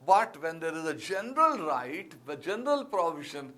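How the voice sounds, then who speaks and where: A man's voice: fairly high pitch, sing-song, moderate pace, bright, forceful tone. A man with an Indian English accent giving a classroom lecture as an exam-prep teacher, emphatic and repeating key words, with frequent fillers. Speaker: civil services exam teacher.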